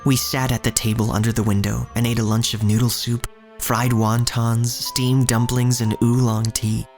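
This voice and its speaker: A man plays a young street thief recounting his story in an audio drama. The voice sits at a middle pitch and stays watchful and wary. Music runs softly underneath the scripted narration. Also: level tone, normal speed, natural voice. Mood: descriptive. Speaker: narrator and lead actor.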